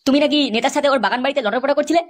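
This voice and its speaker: A man voicing a foul-mouthed, hot-tempered young cartoon husband with an aggressive manner and pitched-up voice. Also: racing, heavy background noise. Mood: accusing. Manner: aggressive, swearing.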